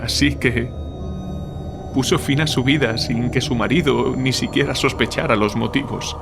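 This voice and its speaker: Casting: male actor as haunted male writer in an audio horror drama, mid-pitched, hesitant and remorseful, music underneath. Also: steady tone, creaky, close to an everyday voice. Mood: confessional, remorseful. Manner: hesitant, halting confession with repeated words. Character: haunted, guilt-ridden male writer confessing to a friend. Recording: music bed behind the voice.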